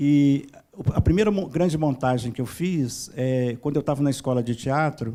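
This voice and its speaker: A man with a dark, mellow tone, fairly high pitch and moderate pace. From Brazil, northern Rio de Janeiro state. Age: 60s. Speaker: theatre scholar and director. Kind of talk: talk to audience. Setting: theatre stage with audience. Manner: hesitant, many fillers.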